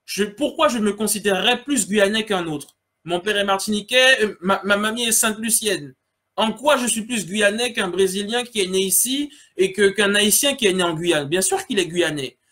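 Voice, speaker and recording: A man's voice: sits high, normal speed, sharp tone. A man hosting a casual solo podcast, reading out listener comments and talking earnestly and directly to his audience. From French Guiana. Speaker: podcast host.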